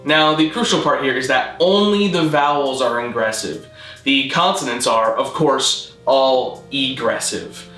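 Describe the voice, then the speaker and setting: Male explainer narrator, bright tone, dry didactic scripted delivery, some room echo, light music bed. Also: medium pitch, a little slow. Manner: deadpan, didactic. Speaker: host, video essayist on constructed languages. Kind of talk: scripted narration, mock-academic lecture.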